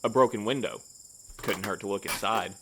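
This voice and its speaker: Prim, low-voiced male postmaster, acted by a man. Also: a bit bright, a little hiss or hum, lightly acted. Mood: determined. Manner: formal, measured, politely dry. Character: prim, stubborn male postmaster, a by-the-book boss. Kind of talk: naturalistic audio drama acting.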